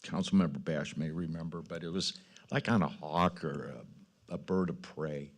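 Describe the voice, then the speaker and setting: Deep-voiced councilman, tentative phrasing. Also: fairly even intonation, normal speed. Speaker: city council member. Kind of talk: questioning at a meeting.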